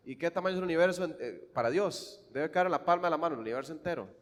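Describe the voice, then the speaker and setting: A man with a Costa Rican accent preaching a sermon, swinging fervently from hushed, quiet lines to loud, emphatic ones. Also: fairly high pitch, expressive, racing, long reverb tail. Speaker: pastor.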